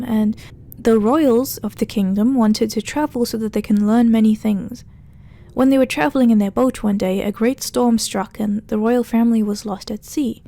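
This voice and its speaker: A woman with a fairly high voice and a very soft, mellow tone narrates a video essay. She talks conversationally, recapping and commenting as she goes, with a dry, sardonic edge. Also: creaky. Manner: conversational, wry, sardonic asides. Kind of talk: casual narrated recap and commentary of a horror web series.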